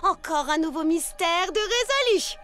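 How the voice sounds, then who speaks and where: A woman voicing an excitable, self-important young girl detective in a dubbed children's cartoon, theatrical and pompous. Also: very high voice, measured pace, over music. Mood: accusing, dramatic.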